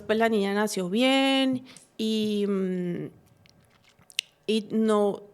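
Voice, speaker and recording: A woman from Colombia, giving a personal faith testimony in a halting, earnest way with many pauses and restarts. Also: on the high side, clear, resonant tone.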